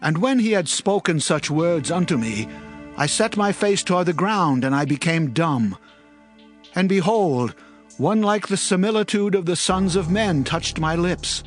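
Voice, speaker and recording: A man's voice: high-pitched, animated, measured pace. A man playing an awestruck, humble Hebrew prophet who recounts his vision earnestly and reverently in a dramatized scripture reading. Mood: awed, trembling. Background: music.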